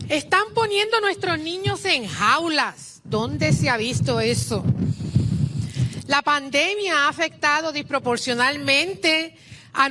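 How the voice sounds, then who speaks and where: High, bright Puerto Rican woman speaker. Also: a little hiss or hum. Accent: Puerto Rican Spanish. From Puerto Rico. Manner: impassioned, rousing. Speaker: rally speaker. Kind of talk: political rally speech. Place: outdoor drive-in rally.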